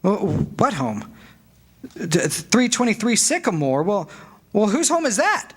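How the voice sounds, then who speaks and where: A man's voice: sits high, wildly swooping pitch, husky, exaggerated voice. Flustered young everyman in a 1940s radio drama, stammery and earnest, voice jumps all over. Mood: sheepish, confused. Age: young adult. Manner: stammering, halting, pleading. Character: earnest, flustered young small-town savings-and-loan man.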